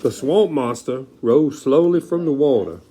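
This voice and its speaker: A man's voice: mid-range voice, animated, unhurried, noisy background. A man reading a children's book dramatically, in a folksy, theatrical way with chatty asides. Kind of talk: animated dramatic read-aloud.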